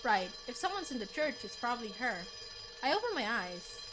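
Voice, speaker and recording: A woman with a high, very lively voice reads a visual novel on stream over clear background music. She slips between dramatic narration and casual, chatty commentary. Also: a little fast, rough recording. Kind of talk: reading a visual novel aloud, casual asides. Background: game music.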